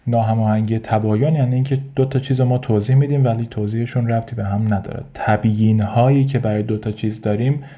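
Rambling man with a dark, mellow voice. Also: lowish voice, steady tone, hardly any pauses. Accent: Persian. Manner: rambling, thinking aloud with many fillers and restarts. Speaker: podcast host. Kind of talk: casual solo podcast monologue.

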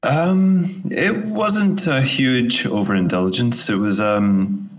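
A man's voice: mid-range voice, slow pace, poor audio. A Scottish man, a sound designer, chatting as a guest in an easygoing, hesitant way. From Scotland. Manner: easygoing, hesitant with many ums. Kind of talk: casual interview chat.

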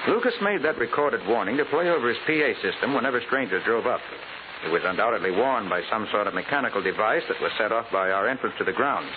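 An actor playing a confident private detective in 1940s radio style, explaining things precisely with an American accent. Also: male voice, fairly low pitch, expressive, quick pace, narrow, tinny audio, natural voice. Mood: assured, explanatory. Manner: precise, expository, authoritative. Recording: hissy, band-limited 1940s radio recording.

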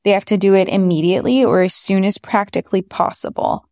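A woman's voice: mid-range voice, fast talker, darkish tone, dry recording, clean studio sound. A woman co-hosting a podcast, explaining background information to listeners. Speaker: podcast co-host.

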